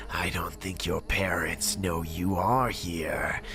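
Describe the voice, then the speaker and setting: Loud music plays in the background as a man uses a put-on character voice at a fairly slow pace. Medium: voice reel. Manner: menacing, cackling.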